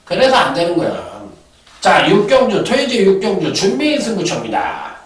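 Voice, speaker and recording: A man giving horse racing betting tips in a loud, profane manner, often acting out voices and chants. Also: high voice, huge pitch swings, normal speed. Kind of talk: casual betting tip broadcast. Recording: echoey, from far off the mic.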